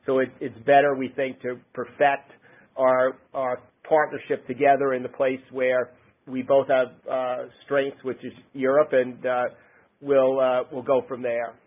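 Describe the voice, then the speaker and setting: A man speaking as a company executive on an earnings call, halting and often rephrasing his words. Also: medium pitch, little pitch movement. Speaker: company executive answering analysts. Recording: narrow-band conference phone line.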